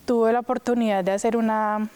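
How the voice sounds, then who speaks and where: Chatty young woman with a mellow voice. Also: on the high side, brisk, clean tone. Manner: chatty and animated, full of "pues" and "o sea". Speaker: opera singer. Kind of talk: casual interview talk.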